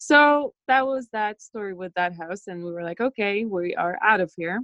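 This woman speaks at a moderate pace with a slight Polish accent and lively intonation, recorded in a dry, close sound with no echo. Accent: light Polish. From Poland. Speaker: full-time RV traveler. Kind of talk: casual interview.

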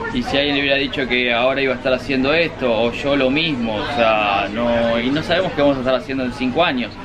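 Against crowd noise and audible room echo, a man talks at a very fast pace with hardly any pauses and fairly even intonation. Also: medium pitch for a man. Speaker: travel blogger. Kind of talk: casual chat. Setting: onboard cruise ship lounge.

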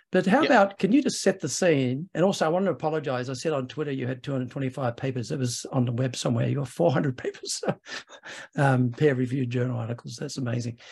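A man speaks at a very fast pace, somewhat breathy. The background is quiet. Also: medium pitch for a man, ordinary pitch variation. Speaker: podcast host, professor. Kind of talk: interview.

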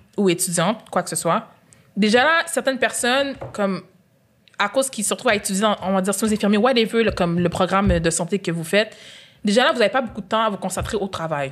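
A woman speaks at a medium pitch in an unremarkable speaking voice. Her pace is fairly quick. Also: lively intonation. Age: 20s. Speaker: nurse and uniform business founder. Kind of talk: casual chat.

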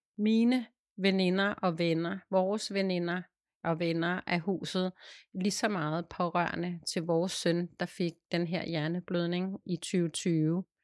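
A woman's fairly low voice, very slow and fairly even in intonation. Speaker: podcast host and coach. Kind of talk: interview conversation. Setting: remote interview.

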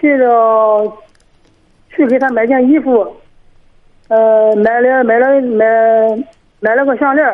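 At a very slow pace and extremely high pitch, a man talks in fairly even intonation and very even loudness, with long, frequent pauses. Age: 30s. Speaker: caller seeking relationship advice. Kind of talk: phone-in advice call. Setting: phone call. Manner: halting; quiet.

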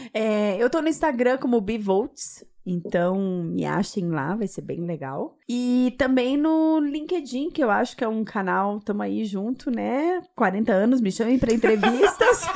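At a fairly slow pace with hardly any pauses, a woman's voice makes very wide pitch swings in a very clean recording with a silent background. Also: fairly high pitch for a woman. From Foz do Iguaçu, Paraná, Brazil. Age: 40s. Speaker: events and marketing professional. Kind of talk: casual chat.

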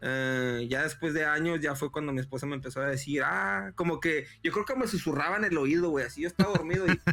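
A man with a fairly high voice talks at a fairly quick pace. He hardly pauses, and his pitch varies in an ordinary way. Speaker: podcast co-host. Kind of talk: casual chat.

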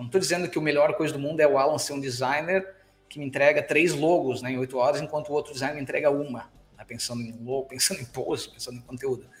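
A man at a fairly high pitch, with fairly even intonation and a very fast pace. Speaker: podcast co-host on digital marketing management. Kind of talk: casual chat. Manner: loud.

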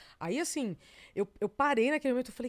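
A woman speaks at a fairly high pitch with very wide swings up and down, on a very clean recording with a silent background. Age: 40s. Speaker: journalist and speaker. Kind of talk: interview conversation. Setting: studio.

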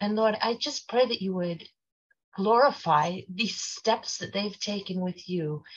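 Somewhat breathy at medium pitch, a woman speaks at a fairly slow pace with ordinary pitch variation. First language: German. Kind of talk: spoken prayer. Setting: online call.

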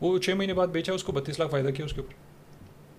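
A man speaks at a high pitch with ordinary pitch variation over noticeable background noise. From Pakistan, Quetta. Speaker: podcast guest, commentator. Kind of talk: casual chat.

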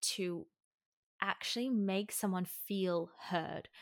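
Speaking with an Australian accent at a fairly slow pace, a woman keeps a medium pitch and fairly even intonation in a very clean recording with a silent background. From Sydney, Australia. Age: 20s. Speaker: guest sharing experiences of living abroad. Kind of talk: casual chat.

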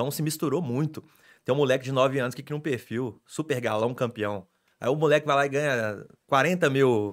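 A plain, everyday voice from a man at a fairly quick pace, with ordinary pitch variation, on a very clean recording with a silent background. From Minas Gerais, Brazil. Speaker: sports journalist. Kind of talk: casual chat.

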